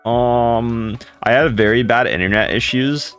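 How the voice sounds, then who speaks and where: A man with a deep voice chatting casually on a livestream, rambling and greeting viewers by name. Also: a little slow, a bit bright, smooth, soft background music.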